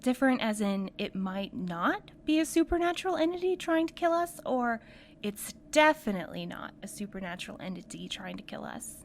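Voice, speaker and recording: A woman's voice: a little high, very animated, normal speed, gravelly, slight background noise. A woman acting in an audio drama as a loyal but uneasy companion with a sardonic, questioning manner. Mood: sardonic, nervous.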